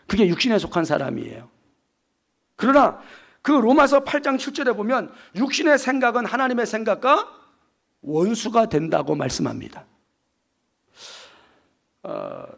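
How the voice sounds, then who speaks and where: A man in his fifties delivers an evening sermon as a pastor, his voice pitched high with a gravelly edge. He keeps asking the congregation questions and answers them himself. He also acts out the quoted lines of the people in his story. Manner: preaching with rhetorical questions and acted-out quotes.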